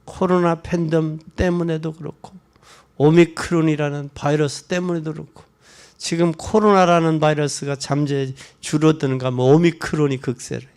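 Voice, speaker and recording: A male pastor preaching a sermon, swinging from loud exclamations to hushed whispers and asking the congregation rhetorical questions. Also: a little high. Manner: casual spoken style mixing polite and plain speech.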